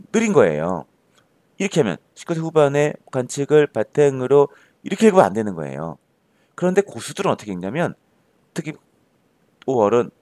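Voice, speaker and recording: Emphatic, lively male tutor lecturing. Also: fairly high pitch, no echo. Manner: emphatic, asks students rhetorical questions. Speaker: Korean-language tutor. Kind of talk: classroom lecture.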